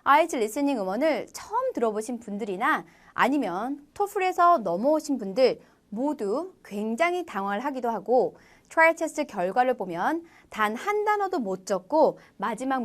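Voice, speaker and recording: A woman teaching an English listening lesson, explaining clearly and modelling example words one by one. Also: a little high, sing-song, brisk, few pauses. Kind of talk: online lecture.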